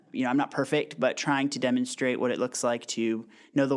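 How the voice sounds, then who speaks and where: A man with a Midwestern US accent and medium pitch at a fairly quick pace, in a very clean recording with a silent background. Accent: US Midwest. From Wisconsin, then Illinois from sixth grade. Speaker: children's pastor. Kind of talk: casual interview.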